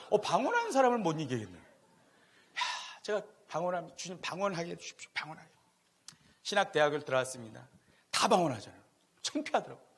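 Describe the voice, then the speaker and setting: A middle-aged man preaching a sermon as a pastor, telling a personal story with a loud voice, swinging between loud exclamations and hushed asides. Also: extremely high pitch. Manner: animated, swings from loud to hushed, laughing at himself. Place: church sanctuary.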